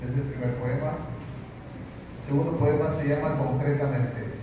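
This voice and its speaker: A man speaks at a fairly high pitch. Strong room echo and noticeable background noise surround his voice. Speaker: poet reading translations. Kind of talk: poetry reading in Spanish, a calm, warm, reverent delivery, like a translation read aloud. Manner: measured, soft-spoken, expressive. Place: hall. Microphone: pa.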